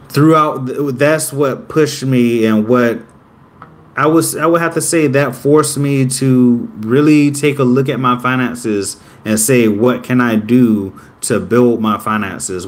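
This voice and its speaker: Slow-talking young man, rambling. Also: on the low side. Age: 20s. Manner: rambling, self-correcting, upbeat about himself. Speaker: vlogger. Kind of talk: casual talk to camera.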